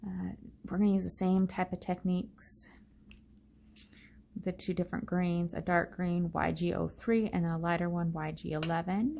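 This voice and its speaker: Somewhat breathy with a dark, mellow tone, the voice keeps a fairly even intonation and leaves long, frequent pauses. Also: woman, fairly low pitch for a woman. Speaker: card-making crafter. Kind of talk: tutorial. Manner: slow; halting.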